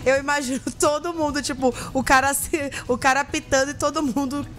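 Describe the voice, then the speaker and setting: A woman's voice: sits high, steady tone, a little fast, a bit bright, soft background music. A woman co-hosting a radio sports show, chatting playfully with colleagues on a studio mic. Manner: chatty, playful, addresses listeners as "gente". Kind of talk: casual sports chat. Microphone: studio mic with headphones.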